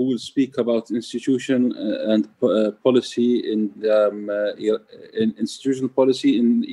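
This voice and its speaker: At a moderate pace, a man speaks with little sound behind him. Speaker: panel chair; moderator. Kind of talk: moderating. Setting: video call. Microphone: video call.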